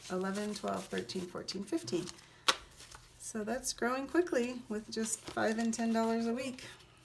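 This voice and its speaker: There is noticeable noise in the background. The pace is moderate, and the pitch variation is ordinary. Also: woman, fairly high pitch for a woman. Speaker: budgeting channel host. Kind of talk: cash stuffing tutorial. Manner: counting aloud.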